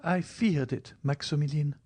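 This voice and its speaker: A man's voice: on the high side, a little slow, darkish tone. A man reading a novel aloud, voicing a desperate young woman who pleads and cries out. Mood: pleading.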